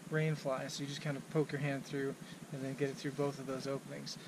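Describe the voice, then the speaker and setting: A man is heard in a dry sound with no echo, with noticeable background noise. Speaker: outdoors gear reviewer. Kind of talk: tutorial. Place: tent. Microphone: phone near.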